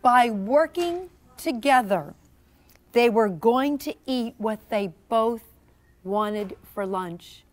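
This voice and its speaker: Female children's storyteller, high voice, unhurried and deliberate, theatrical teacherly read-aloud with prompts. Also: lively intonation. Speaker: storyteller reading own children's book to a class.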